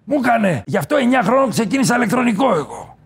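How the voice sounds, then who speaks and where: A man playing a boastful, swaggering nightlife king in a comedy sketch interview, talking loud and brash with shouted punchlines. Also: extremely high pitch, big pitch swings, vocal fry, slightly rough, heavily acted. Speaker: comic guest character.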